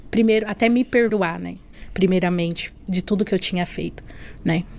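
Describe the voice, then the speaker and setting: A woman's voice: lowish voice, normal speed, creaky. A woman sharing an emotional faith testimony on a podcast, acting out the dialogue she remembers and often adding tag questions. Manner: storytelling that acts out remembered dialogue; leans on tag questions and softening fillers. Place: podcast studio.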